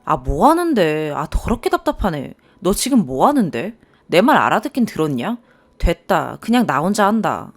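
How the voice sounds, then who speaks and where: A woman voicing a hot-tempered, impatient young husband who snaps and scolds in a lowered voice. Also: huge pitch swings, fairly quick, soft background music. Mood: irritated. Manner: irritated, snapping and scolding.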